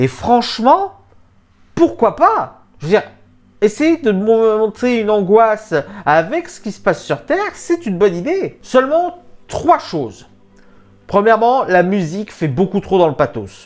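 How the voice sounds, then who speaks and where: A fairly slow pace with long, frequent pauses. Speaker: YouTube film critic. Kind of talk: video review commentary.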